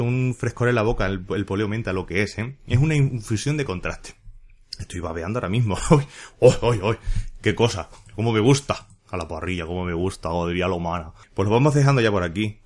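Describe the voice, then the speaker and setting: A man hosting a casual solo podcast, chatty and jokey with playful asides. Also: mid-range voice. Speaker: podcast host.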